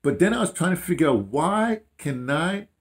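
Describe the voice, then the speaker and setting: Chatting casually in a small room at home, a man in his 60s or 70s, perhaps late sixties, reminisces about his career as an audio dramatist. With a fairly high voice at normal speed, he tells animated stories, frequently repeating lines and quoting himself.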